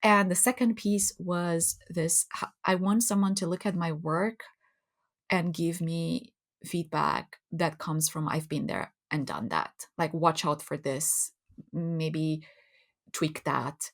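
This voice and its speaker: A woman's voice: lowish voice, steady tone, takes it slowly. A woman from Romania with a Romanian accent, a podcast guest speaking reflectively and earnestly, often restarting phrases and laughing. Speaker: guest, community builder. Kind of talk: podcast interview conversation.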